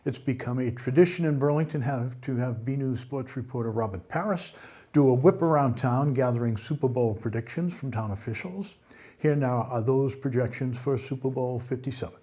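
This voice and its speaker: A male news anchor with a soft, dark voice at an ordinary pitch. He presents local items in a newsreading style, now and then halting over a phrase.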